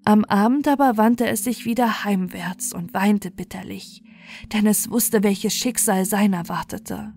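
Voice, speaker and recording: A woman's voice: medium pitch, unhurried, darkish tone. A woman reading a scripted bedtime fairy tale as its narrator.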